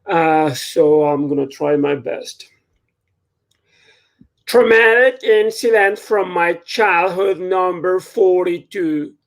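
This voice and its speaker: A man's voice: sits high, takes it slowly. A young man with a strong Mexican accent reading from his novel over a video call at home, after a casual, self-deprecating introduction. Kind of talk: reading fiction aloud. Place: home room with bookshelves. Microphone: video call webcam.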